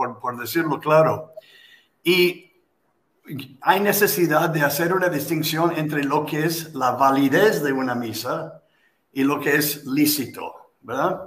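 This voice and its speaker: Long, frequent pauses interrupt a very slow delivery. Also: man, fairly high pitch for a man, ordinary pitch variation. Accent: English. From United States. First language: English (speaking Spanish). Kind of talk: interview.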